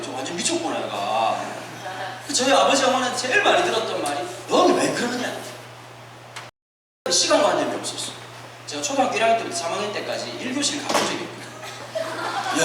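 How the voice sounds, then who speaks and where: A pastor in his forties telling funny childhood stories in a sermon, acting out quotes with a lively, humorous delivery. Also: very high-pitched. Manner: animated, humorous storytelling with acted-out quotes. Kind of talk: sermon at a winter retreat, storytelling. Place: church hall. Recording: echoey hall recording from far off, noisy. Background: audience laughter.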